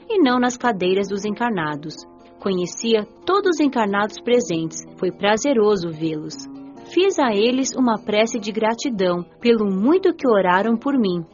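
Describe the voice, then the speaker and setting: A woman playing a gentle, playful young spirit who narrates an audiobook drama in an expressive storytelling manner. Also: fairly high pitch. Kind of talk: scripted first-person audiobook narration. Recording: dull band-limited audio, faint music.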